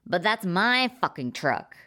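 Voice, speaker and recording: A woman's voice: fairly low pitch, sing-song, takes it slowly, bright, forceful tone, voice pushed up, exaggerated voice. A woman voicing a hot-tempered man who blusters indignantly.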